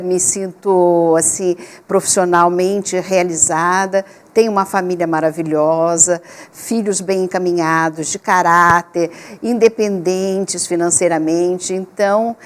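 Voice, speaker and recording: An older woman, born in Portugal and raised in Rio, speaking as a doctor guest on a TV talk show in a measured, reflective way with pauses. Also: medium pitch. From Portugal, raised in Rio de Janeiro. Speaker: guest, gynecologist. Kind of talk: relaxed interview talk.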